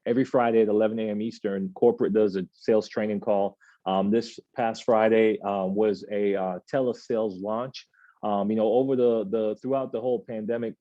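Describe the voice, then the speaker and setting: Low-voiced man giving meeting announcements. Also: no echo, highs cut off. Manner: relaxed, many filler sounds, chatty. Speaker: agency meeting host. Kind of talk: casual team meeting announcements. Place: office meeting room, indoors.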